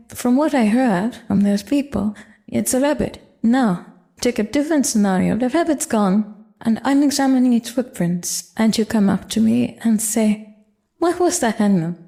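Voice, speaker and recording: An older woman explaining grammar in a measured, careful lecture. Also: fairly high pitch, gravelly, mellow. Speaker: Japanese language teacher. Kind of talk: grammar lesson narration.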